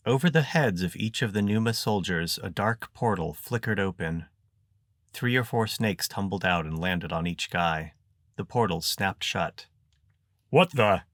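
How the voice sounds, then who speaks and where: A man narrating an adventure story in an even, measured way. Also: sits low, no room sound, studio quality. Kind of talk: audiobook narration.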